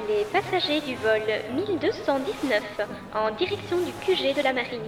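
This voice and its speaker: A man voicing a prim female airport announcer making brisk, formal announcements in a fan-made cartoon dub. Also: extremely high pitch, sing-song, reverberant, distant mic, over music, voice pushed up.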